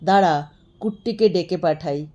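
A woman storyteller voicing an old aristocratic gentleman ghost, boastful and commanding yet kindly, with pompous, emphatic speech. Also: lowish voice, moderate pace, lo-fi sound, natural voice. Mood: bossy, boastful.

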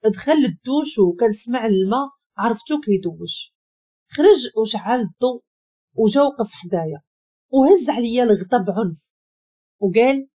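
Brief: emotional Moroccan woman narrator, fairly high and very lively pitch. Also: husky. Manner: emotional, dramatic retelling. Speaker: storyteller. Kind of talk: first-person story narration. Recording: dull lo-fi recording.

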